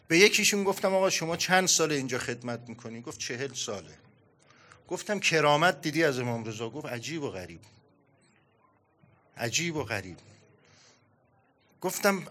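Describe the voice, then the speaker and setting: A middle-aged man preaching a sermon, telling a story with animated storytelling and acted-out dialogue. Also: medium pitch.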